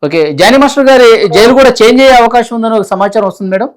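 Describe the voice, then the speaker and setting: A woman's voice: on the high side, racing. A woman interviewing someone over the phone, politely putting questions and prompting with short acknowledgements. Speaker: interviewer, reporter.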